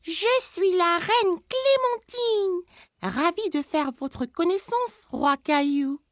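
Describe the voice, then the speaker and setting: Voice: very high-pitched, lively intonation, takes it slowly, exaggerated voice. A performer voicing a polite, playful little girl in a children's cartoon. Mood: playfully regal. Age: young child character. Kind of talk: cartoon voice acting.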